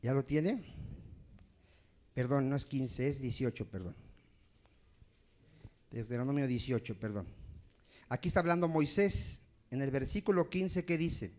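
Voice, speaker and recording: A man's voice: mid-range voice, expressive, measured pace, long pauses, a little mellow. A man preaching a sermon as pastor in a church, emphatic and asking the congregation questions.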